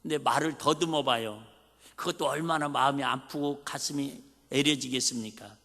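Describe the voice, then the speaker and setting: A man's voice: medium pitch, normal speed, a bit bright. A man in his fifties with a Jeolla accent, preaching a folksy, conversational sermon full of rhetorical questions. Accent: Jeolla Korean. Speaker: pastor. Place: church sanctuary. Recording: reverberant church hall.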